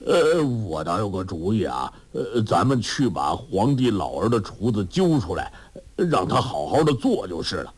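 A man's voice: on the low side, big pitch swings, moderate pace, breathy edge. A man voicing a childish, mischievous old man who talks with lots of little grunts and giggles. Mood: playful. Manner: giggly, full of interjections.

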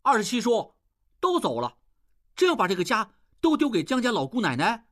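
Woman as an earnest young clansman, pleading, lively pitch. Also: brisk.

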